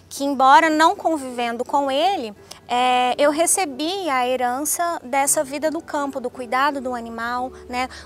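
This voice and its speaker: Against noticeable background noise, a woman with a high-pitched voice talks at a fairly slow pace with ordinary pitch variation. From Maranhão, Brazil. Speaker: animal science professor. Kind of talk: interview. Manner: halting.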